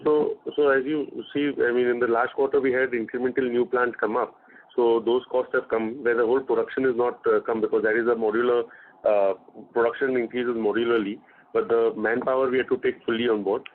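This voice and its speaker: Male company executive, Indian accent, mid-range voice, measured and halting answers over a narrowband call. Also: mid-range voice, level tone. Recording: narrowband phone conference line.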